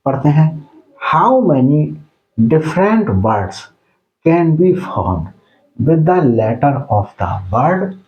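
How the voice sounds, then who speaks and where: A male maths teacher walks through a problem at a very slow, deliberate pace. His pitch rises and falls freely as he counts items aloud one by one. The tone is mellow and soft. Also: highs cut off. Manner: counts aloud slowly, addresses students as children. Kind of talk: slow step-by-step maths lesson.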